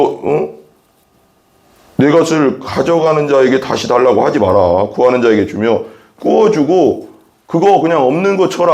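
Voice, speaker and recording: A man's voice: mid-range voice, a little mellow. A man preaching a sermon as a pastor, reading Bible verses and explaining them earnestly, often repeating phrases and asking rhetorical questions.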